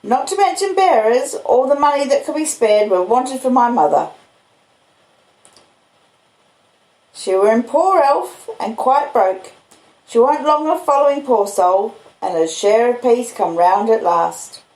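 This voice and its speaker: A woman's voice: on the high side, animated, moderate pace, a little mellow, pitched above the performer's own voice, natural voice. Lady doing a kindly simple country blacksmith guy, rambly and sincere, voice goes up and down a lot, echoey room. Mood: wistful. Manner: rustic dialect, earnest, meandering storytelling. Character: simple, kindly uneducated adult male blacksmith, earnest and rambling.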